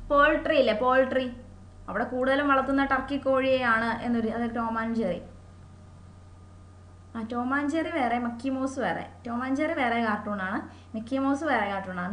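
A woman teacher giving a chatty exam-prep lesson, asking questions and answering them herself and repeating key words slowly. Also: fairly high pitch, fairly bright tone, echoey room. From Kerala.

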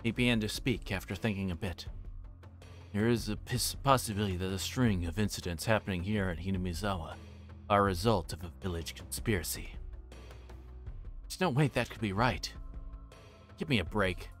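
A man livestreaming in a halting, hesitant manner, chatting casually and reading game text aloud. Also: fairly low pitch, soft background music.

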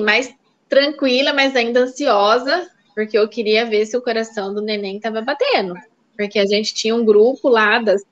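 A woman guest telling her own story in a casual chat, animated and acting out the voices of people she quotes, on a dull lo-fi recording. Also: a little high. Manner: animated, acts out quoted dialogue. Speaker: interview guest sharing her fertility story.

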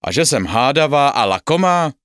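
A man's voice: mid-range voice, very animated, a bit bright, dry recording, clean studio sound, pitched above the performer's own voice. A man voicing a greedy, quarrelsome young village woman in a storybook tale, in a raised, bossy voice. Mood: sharp.

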